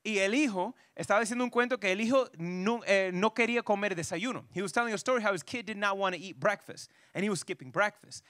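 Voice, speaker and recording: A man's voice: sits high, brisk, hardly any pauses, fairly bright tone, dry recording, clean studio sound. A man leading a church parenting workshop. He says each point twice, asks the audience questions, and keeps checking in with "right?" and "you know". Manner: restates each point twice, switching back and forth.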